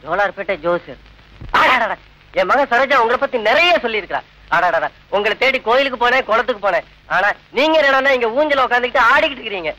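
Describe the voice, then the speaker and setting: A man's voice: very high voice, expressive, fast, sharp tone, poor audio. A man as a meek widower, reverently begging a fortune teller for blessings in film comedy dialogue. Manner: meek, reverent, lovesick crooning. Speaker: grieving widower.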